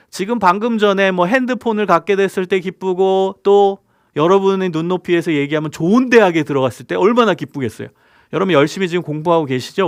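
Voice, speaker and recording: A man preaching as a pastor to young people, animated and asking the audience many questions. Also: sits high, no room sound, studio quality. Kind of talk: youth sermon.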